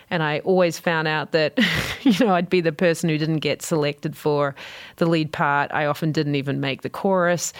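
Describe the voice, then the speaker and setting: A woman's voice: low voice, dry recording. A middle-aged woman with a New Zealand accent, telling candid, upbeat stories about her career in a casual way. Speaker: guest, company CEO. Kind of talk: casual storytelling.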